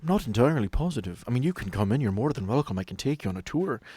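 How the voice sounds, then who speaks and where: A man voicing a composed, formal female sanatorium administrator in a tabletop game, polite and measured with slight hesitation. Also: mid-range voice, big pitch swings, darkish tone, slightly rough, no echo. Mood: welcoming, guarded.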